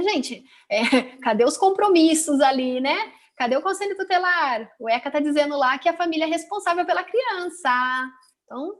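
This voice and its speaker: A woman with a high voice and a Brazilian Portuguese accent, speaking over a video call. She is a teacher, chatty and expressive, full of rhetorical questions and quick asides. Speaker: teacher, invited guest. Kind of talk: casual web conference talk.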